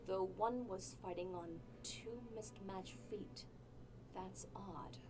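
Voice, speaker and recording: Woman playing a measured cartoon tracker. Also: mid-range voice, a little mellow, a little hiss or hum, lightly acted, poor audio. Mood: investigating. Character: self-assured tracker studying clues.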